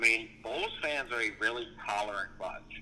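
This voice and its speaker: A man speaks in an ordinary speaking voice with an American accent, at a medium pitch and a fairly slow pace. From Chicago. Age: 20s. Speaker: sports writer. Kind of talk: casual sports talk.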